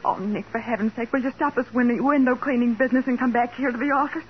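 An actress playing a detective's anxious, devoted young secretary, with an American accent and an emotive, fretful manner in 1940s radio drama style. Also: female voice, a little high, steady tone, fast talker, lightly acted. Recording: dull, noisy 1940s radio recording.

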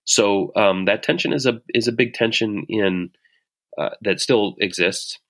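A middle-aged man, an author being interviewed, explaining ideas in a hesitant, thoughtful way with many pauses and restarts. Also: lowish voice, a bit bright. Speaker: author and guest. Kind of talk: casual spoken explanation.

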